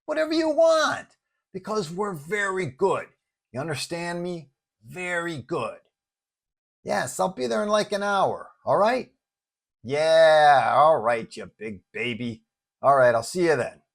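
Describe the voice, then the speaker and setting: A man's voice: a little high, very animated, slow, creaky, voice pushed up, exaggerated voice. A man voicing a slick, wheedling career politician on the phone, glib and placating. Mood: impatient, condescending.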